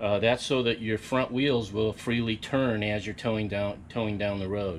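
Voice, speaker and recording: Against light background noise, a man speaks at a moderate pace with a fairly low pitch and fairly even intonation. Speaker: RV vlogger. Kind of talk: tutorial. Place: street. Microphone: camera far.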